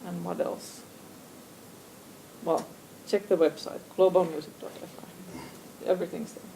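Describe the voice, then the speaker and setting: Fields: Sex: woman. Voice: gravelly, flat. Style: panel talk. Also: fairly low pitch, a little slow, slight background noise, low-quality recording. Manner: loose, with restarts and trailing fillers. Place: symposium hall.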